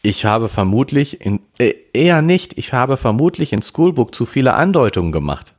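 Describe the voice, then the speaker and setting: A man's voice: medium pitch, big pitch swings, normal speed, a little mellow, voice pushed up. A man doing a fretful teenage girl. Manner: anxious, easily annoyed. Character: worried, irritable teenage girl, Melanie.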